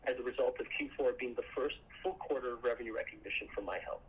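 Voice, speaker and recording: A man in the role of a company executive reads a scripted earnings presentation in a formal, measured way. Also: mid-range voice. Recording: muffled call audio with clear noise.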